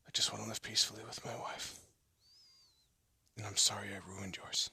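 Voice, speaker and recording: Guy doing a tough ex-gangster husband, deep and rough, hushed threatening whisper. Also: little pitch movement, fairly quick, dry recording, exaggerated voice. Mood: somber. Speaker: voice actor. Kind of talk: amateur audio roleplay.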